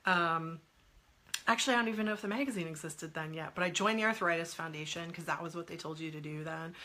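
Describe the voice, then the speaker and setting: A woman's voice: on the low side, quick pace, sharp tone. A woman in her forties with a stuffy head cold, chatting casually on a live stream, laughing often and greeting viewers by name. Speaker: guest speaker on a live stream. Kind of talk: casual live-stream chat answering comments.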